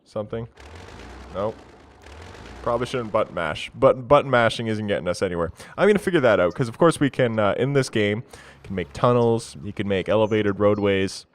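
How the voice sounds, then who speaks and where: Excitable young Canadian man, swearing. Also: lowish voice, brisk. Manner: excitable, swears freely, talks to himself. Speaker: let's play gamer. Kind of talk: casual gameplay commentary.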